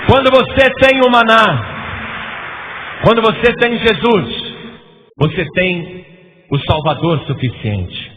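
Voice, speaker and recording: A man with a Brazilian Portuguese accent preaching a sermon as pastor, building to loud, emphatic repeated lists. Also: high-pitched, lively intonation, slow, pauses often. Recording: tinny phone-like sound with long reverb and faint noise.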